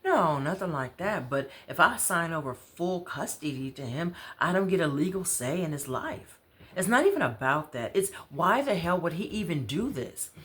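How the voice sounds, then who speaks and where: An American woman voicing a troubled, proud mother in a story, confiding in a halting, conversational way. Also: low-pitched, big pitch swings. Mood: frustrated.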